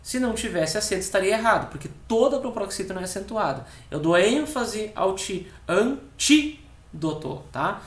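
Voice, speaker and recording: A man with a southern Brazilian accent teaching an exam-prep lesson, explaining step by step and tagging nearly every phrase with a quick check-in question. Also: sits high, lively intonation. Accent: southern Brazilian (Rio Grande do Sul). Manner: repeats key words slowly for emphasis. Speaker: Portuguese teacher for civil service exams. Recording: echoey room.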